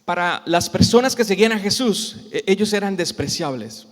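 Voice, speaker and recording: High-voiced pastor preaching in a reverberant hall. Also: male voice, animated, moderate pace. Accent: Costa Rican Spanish. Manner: preaching with rhetorical questions, acting out cries. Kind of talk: sermon. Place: church hall.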